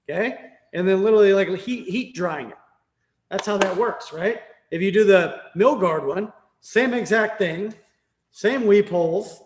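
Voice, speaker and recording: High-voiced man quizzing a room. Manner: quizzing the room with frequent "right?". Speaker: window sales trainer. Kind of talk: training session with questions.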